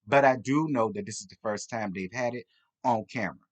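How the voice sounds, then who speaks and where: A man with an American accent delivers casual comedic commentary as a reviewer. He is blunt and sassy, leaning on slang. His delivery rambles in a loose, tipsy way, with an average pitch for a man. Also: fairly quick. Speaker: reality TV reviewer.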